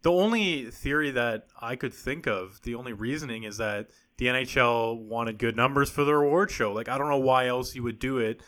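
A man hosting a podcast talks in a bright, forceful tone. His voice comes through smooth and resonant. He chats casually, often pausing on fillers and restarting his sentences. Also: medium pitch. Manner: conversational, with frequent fillers and restarts. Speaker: podcast host. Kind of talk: casual hockey podcast chat.

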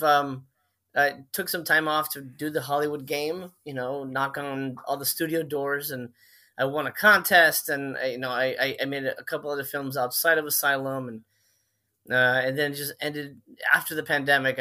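A sharp, mid-range male voice belongs to a filmmaker in his forties from Miami. During a casual interview he wanders through stories, frequently self-correcting.

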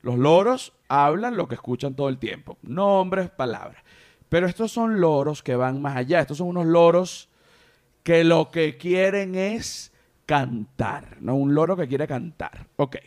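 A man hosting a podcast, telling anecdotes in a casual, animated way. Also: a little high, a little slow. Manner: animated storyteller, mimics animal cries. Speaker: podcast host.

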